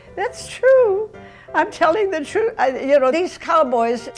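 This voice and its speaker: Over music in the background, the speech moves at a fairly slow pace. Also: woman. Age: old. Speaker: film actress. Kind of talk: interview answer. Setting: in a moving car.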